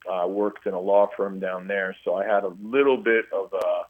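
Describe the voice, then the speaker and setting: A man's voice: low voice, steady tone. Man on a tinny phone line. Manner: earnest, halting with many restarts. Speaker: guest historian. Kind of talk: radio interview by phone.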